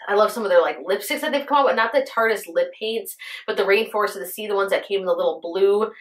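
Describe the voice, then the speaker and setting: A woman's voice: medium pitch, fast talker. A woman in her early thirties, a beauty vlogger chatting casually and gushing to her viewers, full of fillers. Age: 30s. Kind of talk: casual chat.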